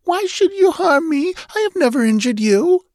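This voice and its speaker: A man's voice: extremely high pitch, lively intonation, normal speed, a little mellow, no echo, voice pushed up. A man voicing a frightened, pleading young girl with a breathless manner in a fantasy audiobook. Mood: terrified, pleading. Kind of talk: dramatised audiobook reading of pulp fantasy.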